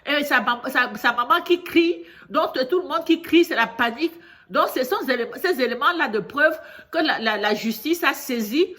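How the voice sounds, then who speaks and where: A woman's voice: high-pitched, animated, normal speed, bright, forceful tone. A woman with a cold telling a news story to her viewers in a chatty way. She often repeats herself and grows indignant as she lectures. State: congested from a cold. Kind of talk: casual storytelling monologue to camera.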